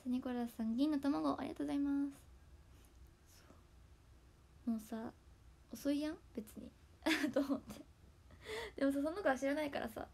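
A young woman with a Hakata dialect, chatting casually on her livestream from home and thanking viewers, often slipping into soft whispery asides. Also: high-pitched, creaky. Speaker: idol livestream host. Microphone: tablet built-in mic.

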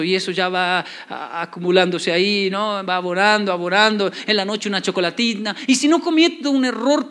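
A middle-aged man delivers a motivational talk in a light, high voice. He jokes freely and slips into quick acted-out exchanges, keeping the tone animated. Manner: animated, joking, acts out dialogues. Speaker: motivational speaker. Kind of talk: humorous public talk.

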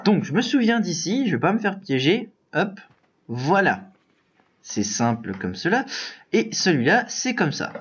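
A man's voice: sits high, big pitch swings, measured pace, highs cut off, slight background noise. A man giving casual let's play commentary, breaking into exclamations and frustrated outbursts at a lagging game.

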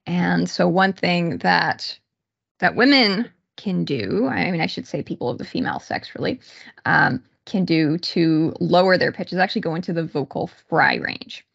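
Woman lecturing with lively, swooping pitch. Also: gravelly, slightly rough, highs cut off. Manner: halting, pausing mid-sentence. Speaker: university psychology lecturer. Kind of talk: online lecture, explanatory. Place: small room indoors, on a video call.

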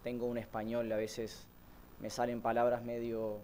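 A man's voice: medium pitch, normal speed, a little hiss or hum. Man with Uruguayan-Brazilian Spanish accent. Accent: Uruguayan Spanish with Brazilian influence. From Brazil, Uruguayan family. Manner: relaxed, many "este" fillers and restarts. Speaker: conference speaker, electric mobility manager. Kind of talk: conference presentation. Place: large conference hall, speaking at a podium. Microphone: podium microphone, filmed from far.

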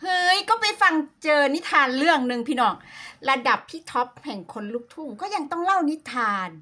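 High, bright, animated Isan woman gossiping. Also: a little fast. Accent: Isan Thai. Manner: sassy, playful, mixing Isan dialect with Thai. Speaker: vlogger. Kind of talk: casual gossipy reaction commentary.

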